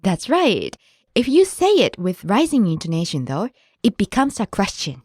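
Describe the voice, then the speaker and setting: A woman co-hosting a language lesson, modeling phrases clearly and adding short explanations. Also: medium pitch, huge pitch swings, moderate pace, darkish tone. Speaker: native-speaker co-host of a language lesson. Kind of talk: scripted lesson dialogue.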